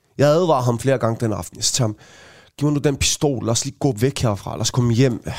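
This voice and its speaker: Speaking at a fairly quick pace, a man talks in a medium pitch. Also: very clean recording, silent background. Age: 30s. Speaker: former gang member turned entrepreneur and author. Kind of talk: interview. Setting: live event at a book fair.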